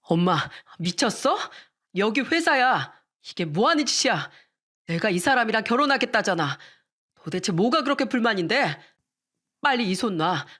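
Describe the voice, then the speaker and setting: A woman's voice: mid-range voice, big pitch swings, moderate pace, fairly bright tone. A woman voicing a flustered young man scolding his mother in a dramatized radio story. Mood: exasperated.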